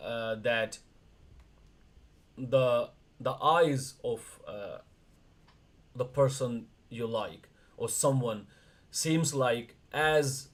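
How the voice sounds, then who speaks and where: A young man from India chatting casually on a livestream, talking in quick bursts with frequent restarts. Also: medium pitch. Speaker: streamer, wrestler co-host.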